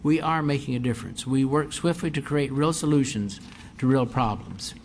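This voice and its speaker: A man's voice: medium pitch, normal speed, a little hiss or hum. An older man, a university president, giving a formal speech and then answering audience questions, stressing points by repeating phrases. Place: auditorium with an audience.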